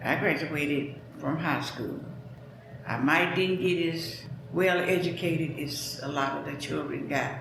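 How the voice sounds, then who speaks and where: Very slow speech from a woman at a fairly low pitch, with noticeable background noise and audible room echo. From US South, rural Alabama. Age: 90s. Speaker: interviewee, retired former farm worker. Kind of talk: life story interview.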